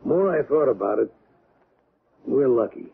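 An actor playing a sober, resigned, skeptical friend in a 1970s radio drama. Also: male voice, mid-range voice, lively intonation, unhurried, gravelly, breathy edge, exaggerated voice. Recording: narrow-band old radio, background noise.

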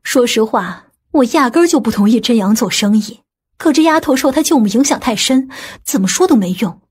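A woman's voice: fairly high pitch, animated, brisk, darkish tone, husky. A woman playing a stern, principled middle-aged aunt in an audiobook, blunt and skeptical. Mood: disapproving. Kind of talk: audiobook character acting.

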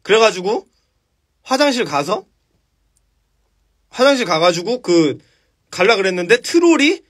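A man's voice: high voice, sing-song, a little slow. A man on a phone live stream, casually retelling a story with crude slang and acted-out voices. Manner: crude slangy retelling, acts out stuttering and panicky characters.

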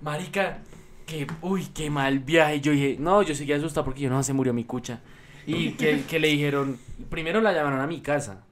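A man's voice: on the high side, moderate pace, slight background noise. A young man with a Colombian accent, co-hosting a podcast, telling stories with lots of swearing and drama. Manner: animated storyteller, swears a lot. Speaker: podcast co-host. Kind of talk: casual chat.

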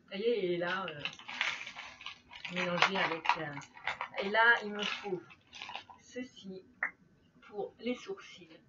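Speaking slowly with frequent pauses, this woman has a fairly low-pitched voice as she does her makeup and chats casually on camera. She's a middle-aged beauty vlogger who seems tired, laughs a lot and addresses her viewers directly, recorded at home with slightly dull sound and faint noise.

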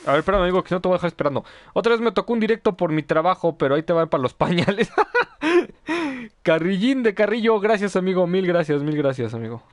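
Excitable gaming streamer. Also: male voice, high voice, very fast, few pauses, no echo. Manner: excitable, chatty with viewers, yelps at mishaps. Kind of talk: live-stream gameplay commentary.

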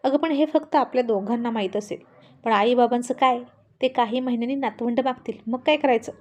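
A young husband in a storybook, curt and exasperated, scolding his wife, as a woman narrator plays him. The voice stays fairly high, close to the reader's own. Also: fairly quick, a little mellow, close to an everyday voice. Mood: firm.

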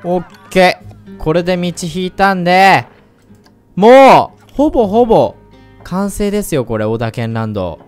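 A man giving let's play commentary, chatty and excitable, talking straight to his viewers and breaking into loud whoops. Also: sits high, measured pace, soft background music. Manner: chatty, speaks to viewers directly. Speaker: game commentator.

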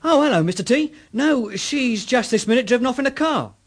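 An actor playing an excitable, eager household servant in a radio drama, with a British accent. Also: male voice, very high-pitched, a little fast, full character voice. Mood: flustered.

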